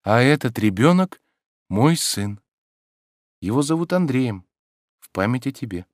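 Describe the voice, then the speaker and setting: Guy reading a worn-out gentle landowner, soft and pleading, voice rises and falls a lot. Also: medium pitch, big pitch swings, a little slow, dry recording, studio quality. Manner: soft, pleading, shrinking back. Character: weary gentle landowner, resigned and fearful. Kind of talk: audiobook reading.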